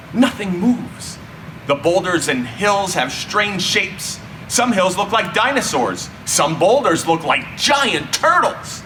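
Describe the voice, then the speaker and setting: A man narrating a children's story expressively, with dramatic, drawn-out emphasis and deliberate pauses. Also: on the high side. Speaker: storyteller reading a children's book. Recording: distant mic, faint background hum.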